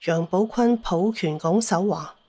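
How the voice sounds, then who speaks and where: A woman's voice: fairly low pitch, a little slow, dark tone, breathy edge, no echo. A woman narrating a scripted story in the manner of an audiobook storyteller.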